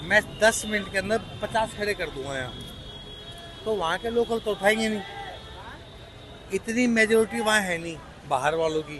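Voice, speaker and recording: A man with a high pitch speaks with lively intonation, leaving long, frequent pauses. Noticeable background noise runs underneath. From Delhi. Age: 40s. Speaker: passer-by interviewed on the street. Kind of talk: street interview.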